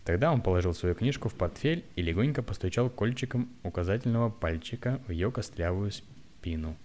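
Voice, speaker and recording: A man reading a story aloud in a plain, steady way, with occasional stumbles. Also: on the low side, brisk, a little hiss or hum. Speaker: narrator.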